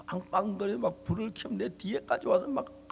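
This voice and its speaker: A middle-aged male pastor preaching a sermon, telling a story in an animated way and acting out a quarrel in different voices. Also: high voice, brisk, vocal fry, a little hiss or hum. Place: church hall. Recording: long hall reverb.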